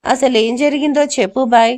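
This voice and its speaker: A steady, protective older brother, put on by a woman narrator, who keeps his younger brother in check with firm, scolding words. He mixes Hindi into his talk and the voice runs slightly high. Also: moderate pace, natural voice.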